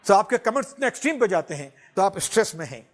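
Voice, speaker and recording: A man giving an animated classroom lecture, mixing Hindi and English and often laughing as he explains. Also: high voice, fast talker. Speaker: personality development teacher.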